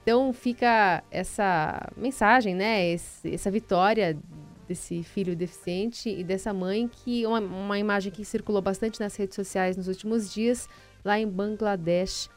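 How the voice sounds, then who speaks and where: A Brazilian woman hosting a morning radio news show, reading stories in a friendly, brisk way. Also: medium pitch. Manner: friendly, brisk, sometimes stumbles over names. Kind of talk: news reading with light chat.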